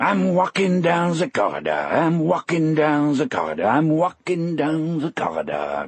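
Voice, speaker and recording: Putting on a cackling character voice, a man speaks in a fairly high pitch at a moderate pace with very even loudness and hardly any pauses. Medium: read story. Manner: cackling, impish.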